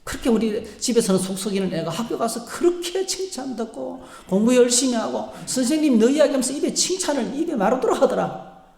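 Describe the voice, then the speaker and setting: An overjoyed mother, half scolding and half praising her son, in an excited rising voice. A male pastor puts her on in his sermon. The gravelly tone carries through a reverberant sanctuary. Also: extremely high pitch, brisk, voice pushed up, heavily acted. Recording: echoey church sanctuary.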